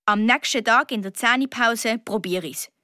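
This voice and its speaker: A woman with a Swiss German accent reading a children's story aloud as a young girl's first-person narration, lively with sudden high outbursts. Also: normal speed, dry recording, clean studio sound.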